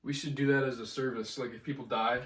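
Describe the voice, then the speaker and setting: A young man co-hosting a casual podcast, cracking jokes and laughing easily. His voice sits at an average pitch. The sound is roomy and echoey, picked up from some distance away. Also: fairly even intonation, fast talker, fairly bright tone. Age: young adult. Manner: joking, laughs often. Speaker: podcast co-host. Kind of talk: casual chat. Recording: echoey room, mic at a distance.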